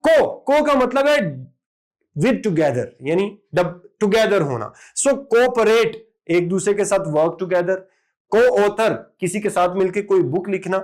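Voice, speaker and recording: A man teaching exam vocabulary, drilling word after word in an animated lecture. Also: sits high, slow. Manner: lively, emphatic word-drilling with repeated "ठीक है".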